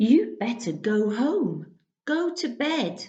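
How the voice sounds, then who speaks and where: A put-on character voice, female-sounding and fairly high, moves at a very slow pace. Its pitch swings very widely. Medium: read story.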